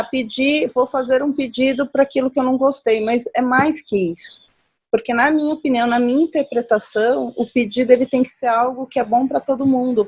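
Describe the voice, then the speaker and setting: A woman speaking as a guest in a conversational talk, reflective and growing animated when she acts out examples. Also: fairly high pitch, slightly rough. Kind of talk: conversational talk on nonviolent communication.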